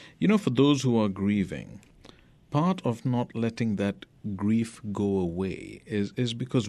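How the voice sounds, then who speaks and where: A man's dark, mellow voice with an American accent, lively intonation and a fairly slow pace over a quiet background. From Indian American. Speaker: radio talk show host. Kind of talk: interview.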